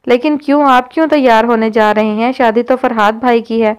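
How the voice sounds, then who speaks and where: A woman's voice: fairly high pitch, steady tone, smooth, natural voice. A woman reading the lines of a cheeky, teasing young woman in an audio novel.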